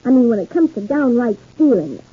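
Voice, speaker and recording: A woman's voice: fairly high pitch, big pitch swings, fairly quick, slightly rough. An actress playing an eager, indignant small-town American woman in a 1950s radio soap, plain-spoken and pressing with questions. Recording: muffled, phone-like 1950s radio recording.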